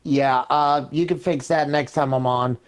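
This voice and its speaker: A man's voice: mid-range voice, fairly even intonation, measured pace, clean tone. A man in his thirties joining a stream from a cell phone, making sardonic remarks and swearing casually. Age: 30s. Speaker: friend calling in. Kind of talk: casual chat.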